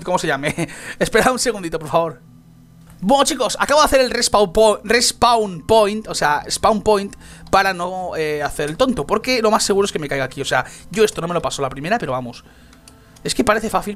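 A young man giving excitable gameplay commentary, yelping and laughing when he falls. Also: high-pitched. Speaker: Minecraft let's player.

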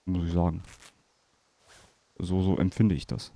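A man's voice: deep voice, steady tone, a little slow, warm tone. A man hosting a let's play, chatting and joking about game details as he plays. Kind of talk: casual gameplay commentary.

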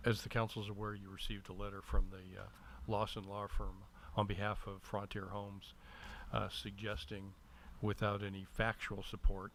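Man, city attorney, measured and lawyerly, very even low pitch, halting formal delivery, noisy meeting room. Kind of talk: formal public meeting remarks, halting explanation. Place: indoor council meeting room.

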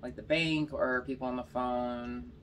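A young woman from Georgia with a slight Californian accent and a slightly raspy voice, chatting casually between bites while eating on camera. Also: very deep voice, fairly even intonation, a little slow, recorded from a distance, a little hiss or hum. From Georgia, US South. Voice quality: a little raspy. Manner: chatty storytelling between bites, lots of "like" and "y'all". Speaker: mukbang vlogger. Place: bedroom, indoors.

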